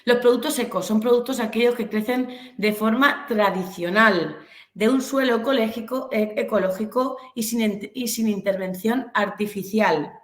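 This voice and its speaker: A woman's voice: on the high side, moderate pace. A woman from Spain with a Castilian accent giving an informal online lecture, explaining hesitantly and searching for words. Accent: Castilian Spanish. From Albacete, Castilla-La Mancha, Spain. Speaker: webinar presenter, business instructor. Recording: echoey room sound.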